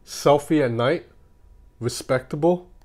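A man's voice: a little high, takes it slowly, darkish tone. Casual man reviewing a gadget. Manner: conversational, informal. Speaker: tech reviewer. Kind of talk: casual hands-on phone review.

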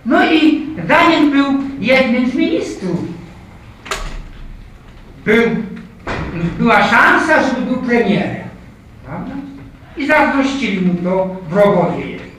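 A man's voice: very high voice, animated, slow pace, long pauses, fairly bright tone, slight background noise. An older man preaching a sermon, addressing listeners as "kochani moi", reading Bible verses aloud and asking the congregation rhetorical questions. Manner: asks the congregation rhetorical questions, frequent "prawda?" and "tak?". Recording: echoey hall, distant mic, faint ambience.

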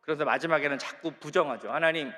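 A man preaching a sermon as pastor, reading scripture slowly and earnestly. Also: on the high side, animated, bright, forceful tone. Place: large church sanctuary. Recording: long church reverb.

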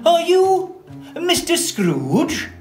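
A woman's voice: very high voice, wildly swooping pitch, very slow, a little mellow, roomy sound, soft background music, pitched above the performer's own voice, full character voice. A woman voicing an earnest, formal and deferential male charity collector in a children's puppet show.

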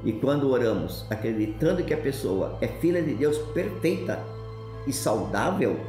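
A man with a mellow, middle-pitched voice speaking in a calm, measured way. The room echoes around him, and soft music plays behind. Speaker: religious speaker. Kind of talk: recorded testimony.

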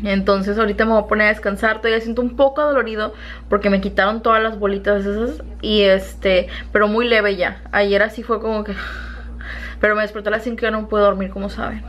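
A woman's voice: mid-range voice, fairly even intonation, fast, a bit bright, dull audio. Sleepy, chatty young woman vlogging. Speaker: beauty vlogger. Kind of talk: casual vlog chat to camera. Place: home, indoors and out in the yard. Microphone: handheld camera.

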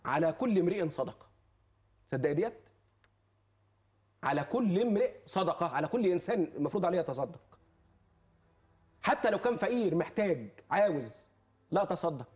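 A man's voice: high voice, very animated, brisk, pauses often, darkish tone. A man with an Egyptian Arabic accent, preaching with fervor as a charity guest on a TV talk show, quoting scripture and swearing oaths. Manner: impassioned, quotes scripture, repeats oaths.

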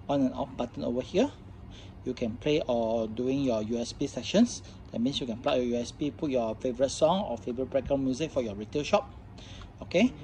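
Mellow-voiced man, halting Southeast Asian demo. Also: medium pitch, slight background noise. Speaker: product demonstrator. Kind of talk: unscripted hands-on product demonstration. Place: indoors at a tabletop, faint background noise.

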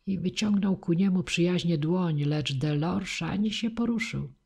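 A woman narrating a classic novel audiobook in a measured, dramatic reading. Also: fairly low pitch, gravelly, darkish tone, slightly rough.

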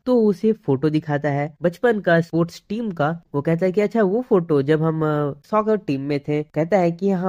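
A woman narrating an anime recap, retelling the plot and reading each character's lines in a plain, steady way. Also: sits low, highs cut off.

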